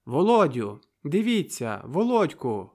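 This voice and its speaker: A man voicing a flustered, excitable young woman in an audiobook, with breathless exclamations. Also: a little high, slow pace, full character voice.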